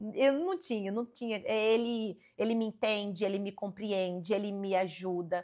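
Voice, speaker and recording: A woman's ordinary speaking voice at medium pitch and moderate pace, with fairly even intonation, in a very clean recording with a silent background. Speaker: missionary preacher. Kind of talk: casual interview chat.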